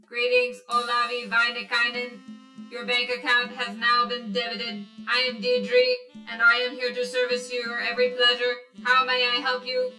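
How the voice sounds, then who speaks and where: A woman's voice: on the high side, expressive, normal speed, echoey room, music in the background, close to an everyday voice, low-quality recording. A woman playing an emotionless female pleasure android in a sci-fi radio drama, with polite, stilted, formulaic seduction. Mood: polite, mechanical. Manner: robotic, formulaic, stilted sultry delivery.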